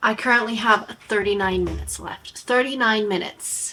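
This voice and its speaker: There's a clearly audible hum of background noise. Through it comes a woman's voice. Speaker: book vlogger. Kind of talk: casual vlog talk to camera. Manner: animated.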